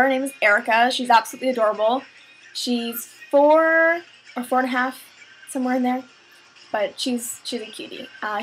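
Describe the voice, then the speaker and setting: A woman's voice: on the high side, fairly bright tone, rough recording. A young woman with a Canadian accent, rambling casually in a vlog with lots of fillers and restarts. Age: young adult. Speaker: vlogger.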